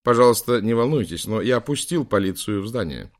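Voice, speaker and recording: A man reading as an artificial assistant, male and British, unhurried and courteous, a little raised in pitch above a low reader's voice. a steady, mannered audiobook voice. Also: natural voice. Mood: reassuring. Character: polite male computer assistant with British accent.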